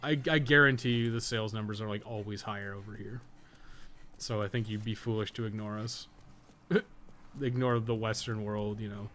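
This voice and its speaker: A man's voice: on the low side, steady tone, normal speed, fairly bright tone, slight background noise. A man chatting casually on a game livestream, blunt, opinionated and sweary as he rambles. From North America. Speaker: game streamer and podcast co-host. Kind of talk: casual livestream chat while playing a game.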